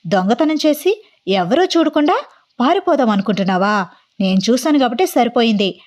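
A woman's voice: on the high side, lively intonation, darkish tone, natural voice. A woman voicing a brash, arrogant young man who fires off accusing questions in a storybook reading. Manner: bossy, rapid-fire interrogating.

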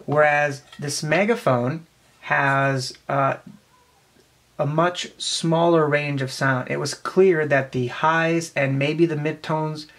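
A man in his twenties giving a casual hands-on explanation, a bit halting as he thinks aloud, recorded on a camera mic in a small office. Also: fairly high pitch, steady tone, a bit bright. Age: 20s. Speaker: presenter of a tech demonstration. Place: small cluttered office indoors. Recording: clear background noise, clicks of handling.

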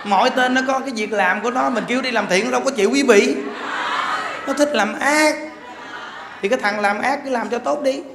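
A male monk giving a dharma talk in a lively, joking way, acting out quarrels with bursts of laughter. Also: extremely high pitch, fast, creaky, hardly any pauses, a crowd in the background. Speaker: monk teacher. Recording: echoey hall with faint background noise.

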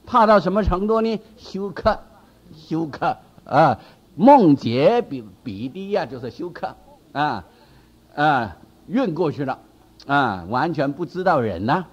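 A man's voice: on the high side, measured pace, breathy edge, dull audio. A man, a Buddhist monk with a Taiwanese Mandarin accent, lecturing on a sutra and acting out a frightened disciple with cries and exclamations. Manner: animated, acts out the disciple's fear with exclamations.

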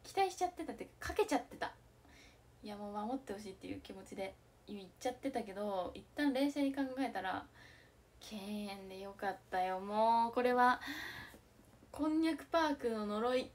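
A young woman giving casual live-stream commentary on a baseball game. She reacts out loud with excitement and often drops into a whisper. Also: mid-range voice, brisk.

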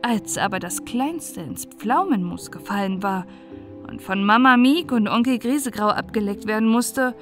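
A woman's voice: on the high side, moderate pace. A woman reading a scripted storybook tale as a narrator, in a bedtime audiobook style. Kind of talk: scripted storybook narration for relaxing and falling asleep. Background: music.

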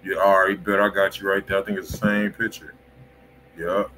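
A man's voice: deep voice, little pitch movement, normal speed, sharp tone, low-quality recording. An American man hosting a music livestream, chatting casually in heavy slang and saying "bro" often, in a small indoor room. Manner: slangy, peppered with "bro" and filler repeats. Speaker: host of a music review livestream. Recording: clear background noise, room ambience.

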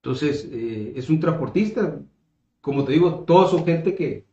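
A mellow, expressive, slightly high male voice moves a little slowly as this political candidate in his fifties, from the Caborca coast of Sonora, Mexico, answers an interview in a northern Mexican accent. Conversational in tone, he often hesitates and repeats words while searching for the next. He sits at a table in a small indoor room, recorded with roomy echo and a slightly dull sound.

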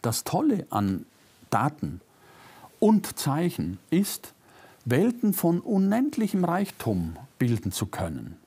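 An older man with a faint Bavarian-Swabian German accent, reading a prepared lecture as a philosopher, measured and reflective, lifting his voice on key words. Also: fairly high pitch, huge pitch swings, warm tone, slightly rough. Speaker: philosopher giving a public lecture. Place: lecture room, seated at a desk. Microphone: lapel mic.

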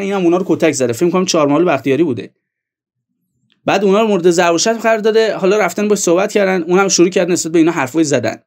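Male commentator, fairly high voice, earnest, talks straight to viewers. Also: a little mellow. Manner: earnest, addresses viewers directly. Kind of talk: online video commentary.

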